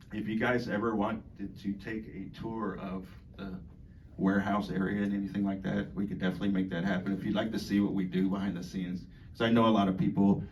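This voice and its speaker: A man on the dining staff giving an informal talk to residents, halting, with many fillers and restarts. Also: lowish voice, darkish tone. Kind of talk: informal speech to an audience. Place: community hall. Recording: far from the mic, faint background noise.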